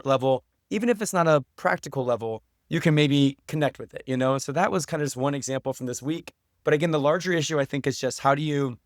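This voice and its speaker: Fast-talking middle-aged American man, chatty. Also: a little high, dry recording, clean studio sound. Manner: chatty storyteller, colloquial. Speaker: podcast guest, writer and professor. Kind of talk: casual podcast conversation.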